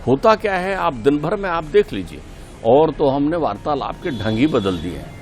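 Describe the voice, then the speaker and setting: A man's voice: on the high side, sing-song, normal speed, faint music behind. A middle-aged man giving a spiritual talk as a guest in a TV interview, earnest and preaching, repeating key points for emphasis.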